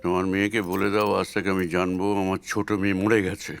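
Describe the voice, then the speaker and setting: A man's voice: low-pitched, little pitch movement, a little fast. An actor playing a stern, wounded father and music teacher who refuses to forgive his daughter. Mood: bitter. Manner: bitter, unbending. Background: loud film score music.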